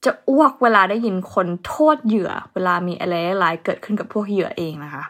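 A woman's voice: mid-range voice, lively intonation, fast talker, a bit bright, breathy edge. A young woman hosting a casual vocabulary lesson, chatting easily and spelling words out letter by letter. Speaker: English teacher host.

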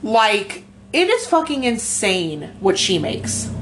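A raspy-voiced woman chatting loosely on a podcast, tossing in swears and "um"s as she goes. Her pitch sits in the middle range. Faint noise hums behind her. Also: big pitch swings, takes it slowly. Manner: profane, rambling, filler-heavy. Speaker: podcast co-host. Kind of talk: casual chat.

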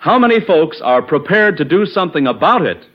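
A man's voice: fairly high pitch, sing-song, a little fast. A man announcing a 1940s radio commercial with polished, emphatic salesmanship. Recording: muffled 1940s radio broadcast.

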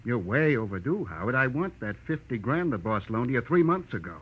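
Muffled old radio drama, mobster debt collector, husky, animated pitch, mockingly polite, taunting drawl, menacing. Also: male voice, brisk. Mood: smug menace. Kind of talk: 1940s radio acting. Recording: muffled vintage radio recording.

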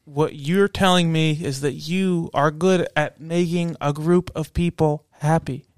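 A man's voice: fairly high pitch, fairly even intonation, a little slow, no echo, clean studio sound. A man talking in casual podcast banter, earnest and repeating himself as he coaxes his friends. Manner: earnest, repetitive, coaxing. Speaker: podcast co-host.

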